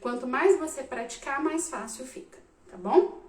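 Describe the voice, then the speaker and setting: A woman in her thirties, a psychologist giving animated casual advice to parents, often checking in with "tá?". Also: high-pitched, moderate pace. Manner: animated, addresses listeners directly with frequent "tá?". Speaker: psychologist answering parents' questions. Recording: roomy echo, mic at a distance.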